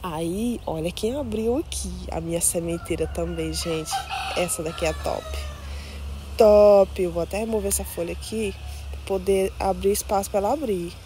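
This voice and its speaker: A woman's voice: fairly low pitch, normal speed, background noise. A woman touring her garden on her phone, chatty and doting as she coos over her plants. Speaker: plant vlogger. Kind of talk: casual garden tour. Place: outdoor garden. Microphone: phone held while filming.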